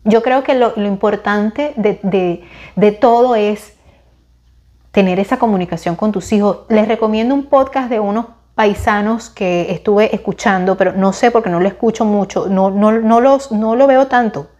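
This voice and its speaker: A Venezuelan-accented woman in her forties vlogs to camera, recommending series and films and sharing her opinions. Chatty and expressive, she often restarts sentences, speaking at normal speed in a middle pitch range, and the audio sounds dull.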